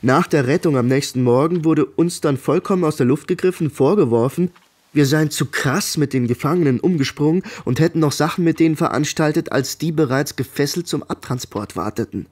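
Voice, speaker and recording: An actor playing a troubled ex-legionnaire in a radio play, telling his story in short, halting fragments. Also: on the high side, a little mellow, lightly acted. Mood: grave, tense. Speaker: actor in an audio drama. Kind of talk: naturalistic German radio play acting.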